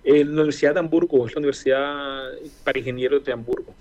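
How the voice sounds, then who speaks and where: A man in his forties with a Caribbean Spanish accent from Barranquilla, answering casually in an interview with hesitant, drawn-out pauses. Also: mid-range voice, fairly even intonation, darkish tone, muffled recording. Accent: Colombian Caribbean Spanish (costeño, Barranquilla). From Barranquilla, Caribbean coast of Colombia. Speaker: interview guest, aviation engineer. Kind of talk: casual interview, personal reflection.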